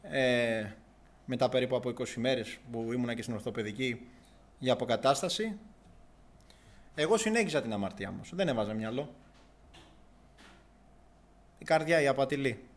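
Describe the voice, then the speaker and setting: A young man earnestly recounting a personal religious testimony in a halting, searching way. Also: mid-range voice, lively intonation. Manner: earnest, halting, with restarts and long pauses.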